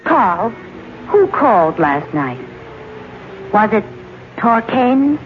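An actress playing an anxious, suspicious wife in a 1950s radio drama. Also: female voice, mid-range voice, sing-song, drawn-out words, background noise. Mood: suspicious, afraid. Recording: muffled, tinny old radio recording.

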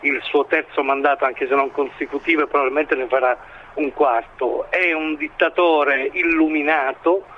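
Higher-voiced man, halting analytical interviewee. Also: fairly even intonation, highs cut off, slight background noise. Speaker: expert commentator being interviewed. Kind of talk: interview analysis of current affairs.

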